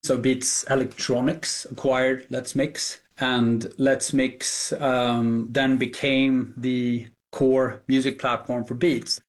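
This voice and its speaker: A man's voice: mid-range voice, level tone, slow, hardly any pauses. A middle-aged man with a Swedish accent, speaking English as a second language, answering interview questions in a reflective way with frequent fillers. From Sweden. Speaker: founder, interview guest. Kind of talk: business interview.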